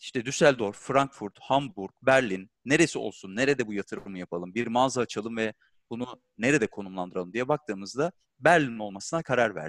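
With an ordinary speaking voice, a man talks at a fairly quick pace and medium pitch with lively intonation, the sound dry and close with no echo. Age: 30s. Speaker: corporate communications director. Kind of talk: webinar interview.

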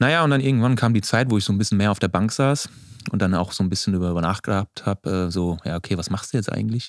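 Very fast speech comes with ordinary pitch variation. The background is silent, and the recording is very clean. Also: man, fairly low pitch for a man. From Germany, Aschaffenburg (Lower Franconia). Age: 30s. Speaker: sustainable clothing entrepreneur, former handball pro. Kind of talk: casual interview. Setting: recorded in a basement storage room among textiles.

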